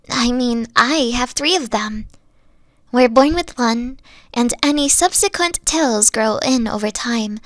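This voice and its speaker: Woman doing a tender kitsune girlfriend: hesitant, soft-spoken, unhurried, with vocal fry. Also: on the high side, dry recording. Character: gentle three-tailed fox-girl girlfriend, thoughtful. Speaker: voice actor. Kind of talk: ASMR audio roleplay.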